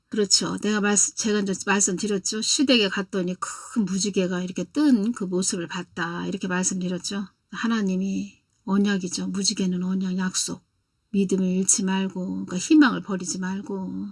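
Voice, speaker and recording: A woman's voice: mid-range voice, slightly rough, no echo. A woman in her sixties giving a spiritual testimony and telling her dream, repeating key phrases with emphasis. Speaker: lay preacher.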